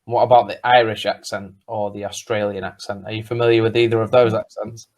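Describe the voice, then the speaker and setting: A man with a Manchester accent, an online English tutor, talks on a video call in a fairly low voice. He sounds chatty and encouraging, keeps the conversation going with questions and praises his student. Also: little pitch movement, fairly quick, a little mellow. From north of England. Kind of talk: casual video-call lesson chat.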